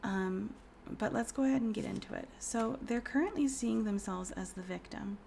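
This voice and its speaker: A woman in her thirties doing a casual tarot reading, hoarse from a cold, speaking softly and often in a whisper with many fillers. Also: mid-range voice, normal speed, slight background noise. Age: 30s. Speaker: tarot reader.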